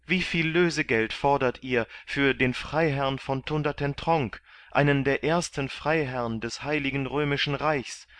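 A man voicing an earnest, excitable young hero who pleads eagerly in a raised voice in a storybook reading. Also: lowish voice, a little slow, no room sound. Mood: eager, excited.

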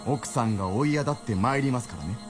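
Brief: actor as a bewildered but earnest young writer in a radio play. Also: male voice, mid-range voice, fast, over music, natural voice. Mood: puzzled. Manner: polite, earnest, easily puzzled. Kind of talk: radio drama acting.

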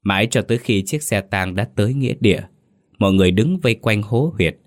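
A man narrating a scripted ghost story in a steady, even manner. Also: lowish voice, fairly quick.

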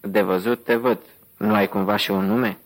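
A man's voice: lowish voice, steady tone, natural voice. A man reading as an insolent gum-chewing guard. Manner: insolent, drawling. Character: mocking gum-chewing armed male guard.

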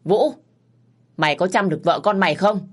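A woman's voice: lowish voice, moderate pace, lightly acted. A woman doing an indulgent old father-in-law. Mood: placating.

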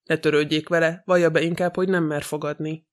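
A man's voice: fairly high pitch, flat delivery, close to an everyday voice. A man reading the lines of a fussy, proud older detective in an audiobook, precise and polite.

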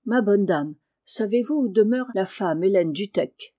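A woman voicing a kindly, blunt middle-aged male farmer in an audiobook, speaking low and hushed. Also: expressive, unhurried, no room sound, clean studio sound. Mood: gruff. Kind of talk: audiobook character reading.

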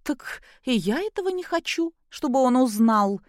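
A woman's voice: high voice, animated, normal speed, dry recording, clean studio sound, pitched above the performer's own voice. A woman voicing a drunk, spiteful young mother who talks in a slurred, mocking, whiny way.

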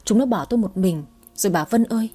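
A woman's voice: mid-range voice, fast, mellow, breathy edge, soft background music, lightly acted. A woman voicing a tearful stubborn old mother. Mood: plaintive. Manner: tearful, pleading.

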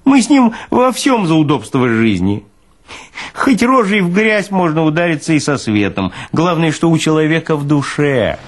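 Man voicing a burly, needling morgue orderly, animated. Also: on the high side, normal speed, slight background noise, voice pushed up. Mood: mocking, philosophizing. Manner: colloquial, mocking, folksy philosophizing. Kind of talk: dramatized audiobook character reading.

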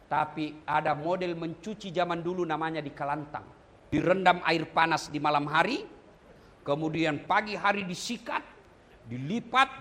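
Animated high-voiced male preacher. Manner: animated and humorous, addressing listeners directly as "Pak". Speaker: Islamic preacher. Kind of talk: sermon at a condolence gathering.

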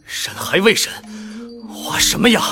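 A man's voice: medium pitch, big pitch swings, moderate pace, music in the background, natural voice. An actor playing a proud male general who is imprisoned and interrogated in an audio drama, speaking in a defiant, restrained way.

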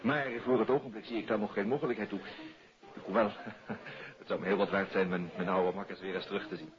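A man's voice: fairly low pitch, steady tone, a little fast, close to an everyday voice. A man acting as a genial, nostalgic hotelier and former stage actor in a 1950s Dutch radio drama, courteous and hesitant with a theatrical way of talking. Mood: wistful, courteous. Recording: dull old radio recording, busy background chatter.

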